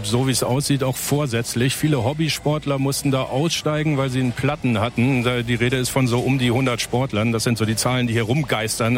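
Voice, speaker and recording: A man reporting live for radio from an outdoor race finish, talking conversationally with frequent fillers. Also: medium pitch. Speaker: sports reporter. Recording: crowd noise behind.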